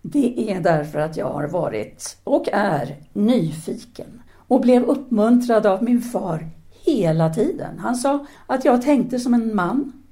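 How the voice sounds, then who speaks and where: A woman's voice: mid-range voice, expressive, mellow, close to an everyday voice. A woman acting in an audio drama as a self-assured female philosophy teacher in 1930s Paris, speaking in an articulate, formal, didactic way. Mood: poised, curious.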